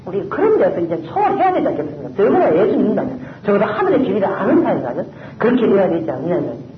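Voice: mid-range voice, big pitch swings, fast, roomy sound, narrow, tinny audio, slight background noise. A pastor delivering an emphatic sermon, often repeating key phrases for stress.

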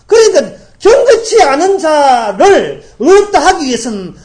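A middle-aged woman pastor from Daegu delivers a sermon in a fairly high voice that leaps up and down in pitch. She hammers key phrases by repeating them, then drops to a hushed tone. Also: big pitch swings, moderate pace. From grew up in Daegu, South Korea.

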